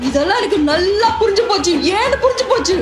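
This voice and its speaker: Young woman acting, jealous girlfriend in a comedy short, insistent, very high swooping voice, echoey sound. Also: expressive, fast talker. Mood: accusing. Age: young adult. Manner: suspicious, insistent, repeats herself. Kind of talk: emotional colloquial phone dialogue. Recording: echoey room under loud music.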